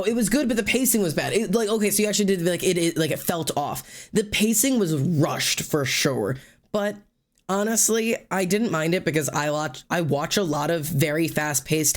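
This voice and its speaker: A man with a stuffy, sniffly nose chatting casually on a live stream, greeting and thanking chatters by name and rambling loosely while he draws. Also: fairly high pitch. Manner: loose, rambling with fillers and restarts. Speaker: livestream host.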